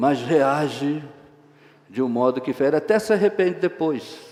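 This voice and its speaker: Lively intonation runs through the man's speech, and his tone is dark and mellow. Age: 60s. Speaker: pastor. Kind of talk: sermon. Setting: church.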